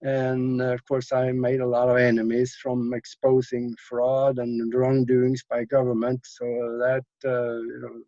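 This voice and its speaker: A man's voice: mid-range voice, completely flat delivery, a little slow, hardly any pauses, warm tone, no room sound, dull audio. An older man from Norway, a guest telling his life story in a rambling way, full of fillers and restarts. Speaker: interview guest. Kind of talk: casual interview storytelling.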